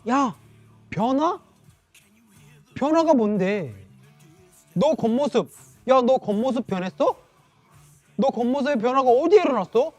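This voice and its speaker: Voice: high voice, expressive, a little slow, pauses often, darkish tone, dry recording, soft background music, voice pushed up. A children's Bible teacher voicing the devil as a mocking tempter who needles and lures.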